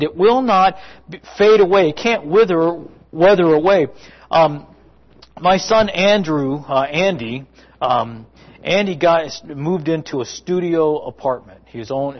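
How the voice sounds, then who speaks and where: A man in his fifties preaching a conversational sermon, rambling and halting through family stories with folksy asides to the congregation. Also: fairly high pitch, highs cut off. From South Florida.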